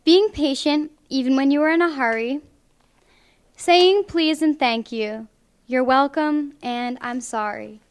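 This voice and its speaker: A young woman reading a picture book aloud to children in clear, deliberate phrases at a library. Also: sits high. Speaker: volunteer storybook reader. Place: public library, indoors.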